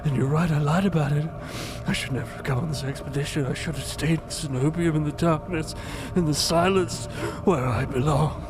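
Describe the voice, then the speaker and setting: A man's voice: fairly high pitch, fairly quick, natural voice. A man playing an anxious young religious novice in an audio drama, pleading and confessing a terror of failure. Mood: panicked confession. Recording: dramatic music behind the voice.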